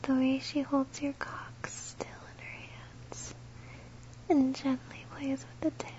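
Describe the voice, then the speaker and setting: A woman whispering slowly and intimately, close to the listener, in an erotic audio. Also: sits high, little pitch movement, mellow, lo-fi sound. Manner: slow, breathy, close whisper.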